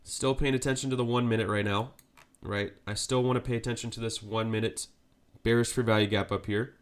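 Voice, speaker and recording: A man's voice: medium pitch, fairly quick, clean tone. A man with a cold and a congested voice, giving live market commentary on his stream and checking in with a frequent "right?". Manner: steady explanatory, frequent "right?" check-ins.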